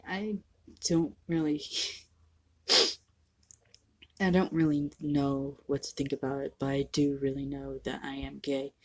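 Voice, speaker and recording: A young trans man talking candidly to the camera in a casual home vlog, halting and self-deprecating, sniffly from allergies. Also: mid-range voice. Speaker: vlogger. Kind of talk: casual personal vlog monologue.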